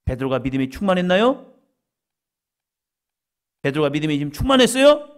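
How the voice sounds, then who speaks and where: A middle-aged man preaching a sermon as pastor, acting out dialogue with sudden loud, emphatic rises. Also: a little high, big pitch swings, a little fast, clean tone.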